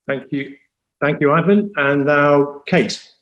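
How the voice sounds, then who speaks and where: A man's voice: fairly high pitch, takes it slowly, fairly bright tone, reverberant, highs cut off. A man chairing an online panel discussion, hesitant and full of fillers, speaking over a video call.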